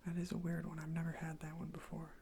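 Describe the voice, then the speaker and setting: A softly whispering ASMR performer playing a medical examiner, gently reassuring and giving step-by-step instructions in a breathy voice. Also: mid-range voice, monotone, fast talker. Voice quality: breathy whisper with some creaky fry. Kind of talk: ASMR role play, soft whispering to the listener. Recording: faint background noise.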